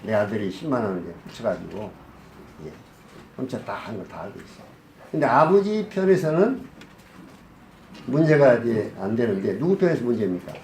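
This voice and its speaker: In an echoey hall with slight background noise, a male pastor preaches a sermon, posing questions to the congregation and answering them himself. His pitch swings widely, he speaks briskly with long pauses, and he acts out scenes in a softer, low voice.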